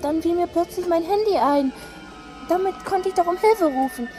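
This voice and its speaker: A man's voice: very high-pitched, moderate pace, over music. An actor voicing a frightened young boy in a German radio drama, recounting a witch encounter. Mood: fearful recounting. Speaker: child character Jeremy.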